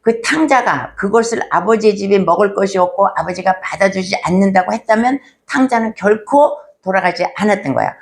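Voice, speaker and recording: A woman's voice: medium pitch, a little fast, hardly any pauses. A woman pastor preaching a sermon, asking rhetorical questions and acting out quoted voices. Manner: asks rhetorical questions and answers them, acts out quoted voices.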